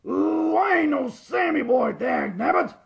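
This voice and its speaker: A man voicing a short-tempered little cartoon cowboy outlaw with a gravelly voice, an American Western accent and a bellowing, blustering manner. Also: very high-pitched, expressive, unhurried, full character voice. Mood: furious.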